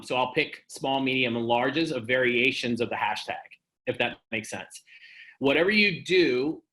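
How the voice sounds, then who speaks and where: A man explaining things in a relaxed, filler-heavy way as an interview guest. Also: medium pitch, rough recording. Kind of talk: casual interview chat.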